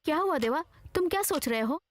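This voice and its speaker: A woman's voice: high-pitched, expressive, fairly quick. A woman dubbing a bossy young woman who scolds her friends and demands answers. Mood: scolding. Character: sharp-tongued young woman, Shanti. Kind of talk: Hindi film dubbing.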